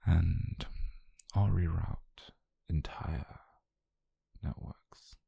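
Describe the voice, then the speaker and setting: A British man playing an obsessive, possessive mafia boyfriend, calm and dangerous, in a slow, controlled, breathy half-whisper for an intimate ASMR roleplay. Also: low-pitched, dry recording, full character voice. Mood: quiet menace. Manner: slow, controlled, menacingly tender murmur. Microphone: close microphone, dry.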